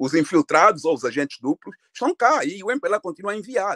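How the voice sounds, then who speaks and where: A man speaks at a moderate pace with lively intonation and a bright, sharp tone. The sound is dry, with no echo. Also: quiet background. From Angola. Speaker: Angolan diaspora activist; guest. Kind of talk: casual discussion. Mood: earnest, critical political talk. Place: home room. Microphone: video call.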